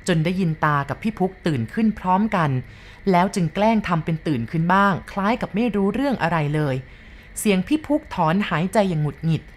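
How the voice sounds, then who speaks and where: Woman, ghost story narration, dramatic, hushed, lowish voice. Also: slight background noise.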